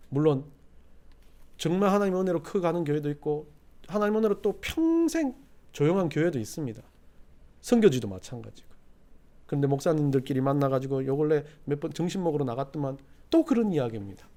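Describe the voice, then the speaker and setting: Middle-aged male pastor, sermon delivery, high and very animated pitch, folksy storyteller who rises to loud exhortation. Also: brisk. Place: church sanctuary.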